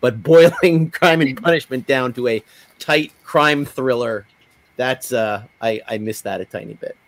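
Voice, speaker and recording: A man's voice: mid-range voice, a little slow, dry recording. A man hosting a podcast, chatting casually and wandering off into anecdotes. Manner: digressive, anecdote-telling. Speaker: podcast host. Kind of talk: casual conversational chat.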